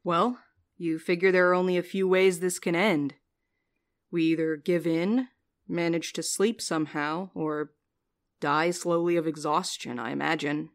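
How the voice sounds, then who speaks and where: Woman acting wry sleepless courier, lower-pitched, dry and weary, naturalistic podcast drama. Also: fairly even intonation, unhurried. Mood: bleak, dry. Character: wry, sleep-deprived mail courier, guarded but apologetic. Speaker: lead actor in a fiction podcast.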